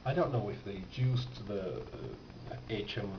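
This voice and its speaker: A man with a somewhat low, expressive voice talks slowly about his record collection finds. He speaks casually and without a script, pausing uncertainly and drifting as he thinks aloud. Recorded at home, it comes across distant, roomy, muffled and noisy.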